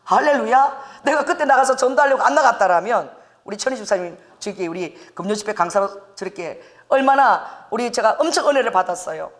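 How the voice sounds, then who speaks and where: A middle-aged woman pastor preaching a sermon, animated, acting out the voices she quotes and laughing as she goes. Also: a little high, brisk.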